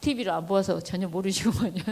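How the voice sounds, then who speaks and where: A woman giving a sermon-style talk on parenting to a church congregation, animated, acting out voices and addressing listeners directly. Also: medium pitch, quick pace. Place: church service.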